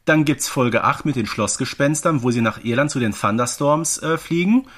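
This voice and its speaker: A man's voice: mid-range voice, expressive, normal speed, a bit bright. A man from the Ruhr area co-hosting a podcast, giving informative commentary in a chatty way with frequent question tags. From Ruhr area, Germany. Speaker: podcast co-host.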